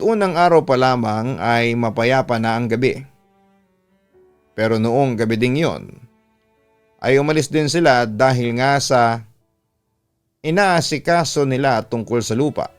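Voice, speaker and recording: A man's voice: mid-range voice, clean tone. A man reads a first-person story as dramatic scripted narration, like a radio storytelling host. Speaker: radio storytelling host reading a listener's letter. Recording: background music under the voice. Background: music.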